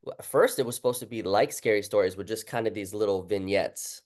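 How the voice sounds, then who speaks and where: A man with a low-pitched voice hosts a relaxed, casual conversation. He talks informally as the interviewer, dropping in quotes of what he said or thought. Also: brisk. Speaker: interviewer, book author. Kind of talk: casual chat.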